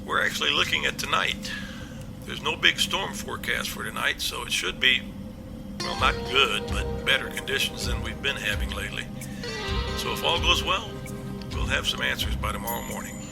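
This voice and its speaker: A man acting as a confident, reassuring police captain in an audio drama. His mid-pitched voice is heavily creaky, and he explains things in a measured, factual way. Music is clearly audible underneath. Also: lively intonation, low-quality recording. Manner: matter-of-fact, explanatory, measured.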